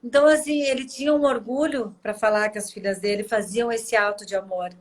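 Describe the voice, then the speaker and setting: Speaking briskly with a medium pitch and fairly even intonation, the host, a woman in her 40s with a Brazilian Portuguese accent, tells emotional personal stories on a live video chat. She's warm and chatty, and the sound comes through a video call.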